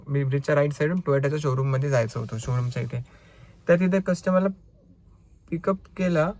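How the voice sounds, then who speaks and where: A young man with a Marathi accent tells stories from his driving shifts in an animated, chatty way, acting out what customers said. His voice sits a bit higher than most men's. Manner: animated storytelling, acts out quoted customers. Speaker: ride-hailing driver vlogger. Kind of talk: casual storytelling vlog.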